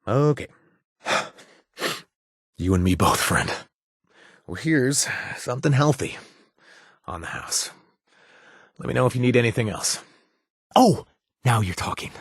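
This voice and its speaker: An actor playing a wry, self-deprecating former raider turned bartender in a video game, halting with fillers in a husky voice. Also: male voice, mid-range voice, fairly bright tone, no echo, studio quality, full character voice. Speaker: game companion character. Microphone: studio mic.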